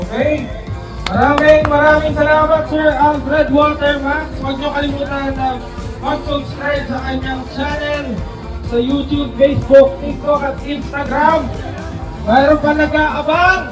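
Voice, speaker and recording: A woman emceeing a live outdoor event, thanking guests and shouting chants for the crowd to repeat. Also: high-pitched, flat delivery, a little slow, pauses often, rough recording. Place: outdoor festival stage. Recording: loud crowd and music.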